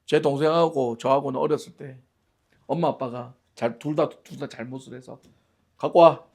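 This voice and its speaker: A male pastor leads a Bible study. He tells stories expressively, swinging between loud exclamations and near-whispers. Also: mid-range voice, fairly even intonation, fairly quick, gravelly. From Gyeongsang region, Korea. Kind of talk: animated Bible-study teaching and prayer. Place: church library.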